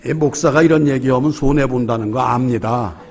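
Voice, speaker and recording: A man preaching a sermon as pastor. He tells candid stories about himself and swings between hushed asides and shouted emphasis. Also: mid-range voice, brisk. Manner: candid, self-deprecating storytelling. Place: church.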